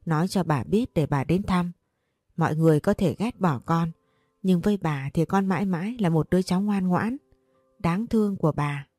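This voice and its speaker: A woman's voice: lowish voice, normal speed, darkish tone, slightly rough, dry recording, studio quality, faint music behind. A woman voicing a grieving grandmother near sixty, pleading and tearful.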